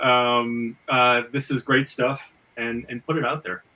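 Man, podcast host, forceful bright voice, stammering repetitions, casual swearing, slightly distant mic. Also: mid-range voice, level tone, unhurried.

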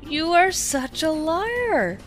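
Actress as a skeptical, animated office worker. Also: female voice, extremely high pitch, slow, soft background music, exaggerated voice. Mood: exasperated. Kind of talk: audio drama acting.

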